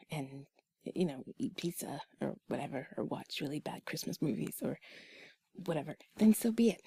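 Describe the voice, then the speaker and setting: A woman in an intimate, soothing ASMR role-play, speaking in a breathy, husky, unhurried way, close to the mic. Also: low voice, warm tone, dry recording. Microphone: close microphone, dry sound.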